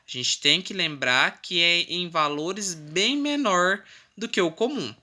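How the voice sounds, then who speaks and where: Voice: mid-range voice, expressive, takes it slowly, bright, forceful tone, slight background noise. A teacher with a Brazilian Portuguese accent giving a recorded class, explaining step by step with frequent checking tags and the odd self-correction. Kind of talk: recorded online class lecture.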